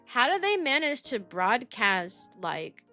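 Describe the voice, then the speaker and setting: Female streamer, high voice, rambling casual talk, music playing behind her. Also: very animated, takes it slowly, bright, forceful tone. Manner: rambling, repeats phrases for emphasis. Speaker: livestream host; kindergarten teacher. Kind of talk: casual livestream chat. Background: background music.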